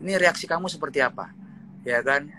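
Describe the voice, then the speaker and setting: Bright-voiced playful man hosting a video interview. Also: fairly high pitch, a little fast, slight background noise. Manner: playful, teasing, animated questions. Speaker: host interviewing pageant finalists. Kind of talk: lively online interview, mixing in English.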